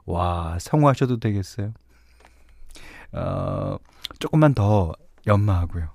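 A male radio host who reads listeners' stories and messages in a relaxed, chatty way, joking lightly between readings. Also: medium pitch, dry recording, studio quality.

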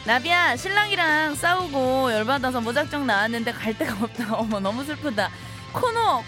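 A woman in her thirties hosting a live radio show, chatting and teasing her listeners as she reads their messages. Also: high-pitched. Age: 30s.

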